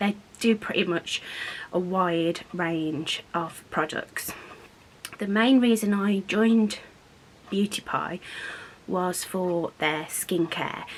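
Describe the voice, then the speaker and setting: Amid noticeable background noise, a woman speaks at a very slow pace and medium pitch, with ordinary pitch variation and long, frequent pauses. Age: 30s. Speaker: beauty vlogger. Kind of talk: casual vlog talk.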